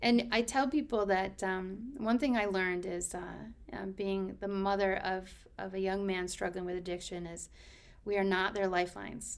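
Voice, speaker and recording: With an ordinary speaking voice, a woman speaks at a medium pitch and a moderate pace, using ordinary pitch variation. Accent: American. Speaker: art instructor. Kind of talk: interview conversation.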